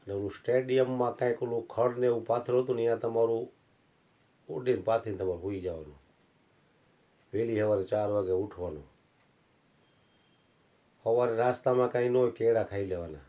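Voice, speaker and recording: A man's voice: mid-range voice, fairly quick, pauses often, warm tone. A man telling folksy anecdotes in a satsang sermon. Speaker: preacher.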